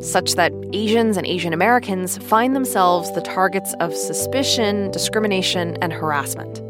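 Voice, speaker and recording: A woman's voice: medium pitch, normal speed, music in the background. A woman hosting a podcast in a conversational narration and interview style, recorded close on a microphone. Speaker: podcast host. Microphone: close studio microphone.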